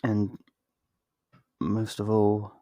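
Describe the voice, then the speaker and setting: A man acting in an ASMR roleplay as a tender, wistful best friend, speaking softly and earnestly in an intimate way, close to the mic. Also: on the low side, monotone, dry recording. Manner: slow, intimate, earnest, with sighs and pauses. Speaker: ASMR voice actor. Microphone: close studio mic, dry.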